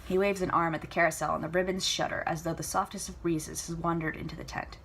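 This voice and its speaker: A woman's voice: lowish voice, steady tone, fast, creaky, a bit bright, slight background noise, low-quality recording. A woman reading a novel aloud as an amateur storybook narrator. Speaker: amateur book reader. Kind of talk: storybook narration with casual asides.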